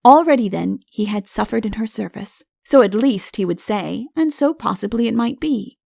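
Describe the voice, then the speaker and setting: A woman's voice: medium pitch, animated, moderate pace, gravelly, a little mellow, dry recording, studio quality. A woman reading a comic fairy tale as an audiobook narrator, in scripted storytelling style.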